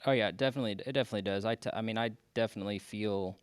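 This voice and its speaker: A man in his forties talking casually as a podcast guest, halting with many restarts and fillers. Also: on the low side, dry recording, studio quality. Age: 40s. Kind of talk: casual interview chat.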